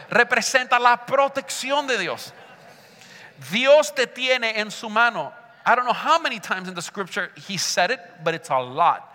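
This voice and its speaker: Bilingual preacher man, bright ringy voice, really fired up, long hall echo behind him. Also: sits high. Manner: impassioned, calls the congregation to repeat after him; switches between Spanish and English. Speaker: pastor. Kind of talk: sermon.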